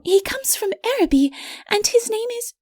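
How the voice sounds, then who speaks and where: A sweet young princess from a fairy-tale audiobook, put on by a woman. Her voice is pitched high, soft and breathy. She speaks gently and coaxingly, as a devoted daughter, in a dry, close recording. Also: very animated, normal speed, no echo. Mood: gentle, earnest. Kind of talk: audiobook character voice.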